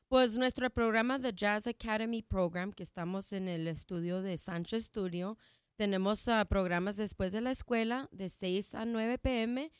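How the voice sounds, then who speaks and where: A woman with a smooth, mid-range voice speaks Spanish, though English is her first language, in a casual interview about her jazz program. Her delivery is halting, full of restarts and fillers, and the recording is clean studio audio with no room sound.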